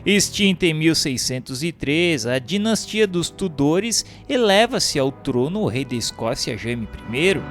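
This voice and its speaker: A man reads a scripted historical narration in a formal, declamatory way. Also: on the high side. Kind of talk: solemn scripted narration of a spiritist history text. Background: music.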